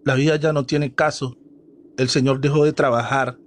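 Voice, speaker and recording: A man narrating a horror story in a steady, dramatic storytelling manner. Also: mid-range voice, moderate pace.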